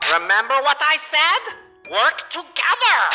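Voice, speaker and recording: A put-on character voice at a moderate pace, faint music in the background. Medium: audio drama. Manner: terse, commanding.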